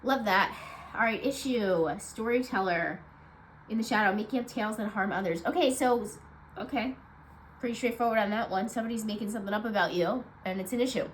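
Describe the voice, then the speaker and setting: A woman with a stuffed-up, nasal voice giving a casual weekly card reading, low on energy and rambling with many fillers. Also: a little fast, a little hiss or hum, rough recording. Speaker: tarot card reader.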